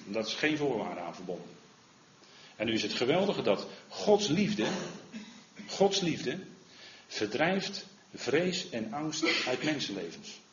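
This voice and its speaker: A man preaching a sermon in an earnest manner, often asking "hè?" and growing louder when he quotes the Lord. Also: medium pitch, a little hiss or hum. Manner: earnest, rises in volume when quoting the Lord, frequent "hè?". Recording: roomy, slightly dull recording.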